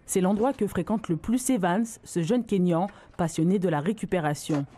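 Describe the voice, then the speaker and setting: Female reporter, lowish mellow voice, calm scripted narration. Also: normal speed. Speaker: news reporter.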